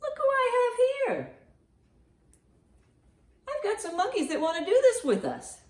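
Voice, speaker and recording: A woman's voice: very high voice, wildly swooping pitch, unhurried, echoey room. A woman presenting storytime for young children, reading and explaining expressively and speaking to them directly. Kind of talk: picture-book storytelling and instruction for young children.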